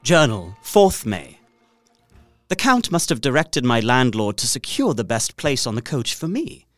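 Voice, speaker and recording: An actor playing a proper, earnest young English gentleman narrating his journal in an audio drama, precise and expressive. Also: mid-range voice, no room sound, studio quality. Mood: uneasy. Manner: expressive, precise, faintly bemused.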